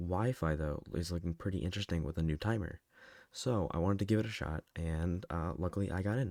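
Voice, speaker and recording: A man talks fairly quickly at a very deep, low pitch, with ordinary pitch variation. The sound is dry and close, with no echo. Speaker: gaming youtuber. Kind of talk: casual video commentary. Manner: casual, filler-heavy.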